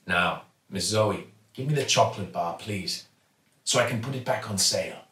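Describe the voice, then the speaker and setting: A man's voice: on the low side, moderate pace, a bit bright, close to an everyday voice. Guy doing a kindly emotional shopkeeper from a kids book, echoey room. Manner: avuncular, emotional. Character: kindly, sentimental male newsagent shopkeeper. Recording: roomy, slightly distant mic.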